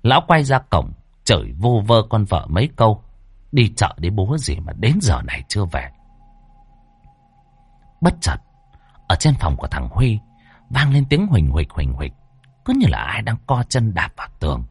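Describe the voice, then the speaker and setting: A man narrating a ghost story in an expressive storytelling manner. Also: lowish voice, normal speed, pauses often, husky, dry recording, faint music behind.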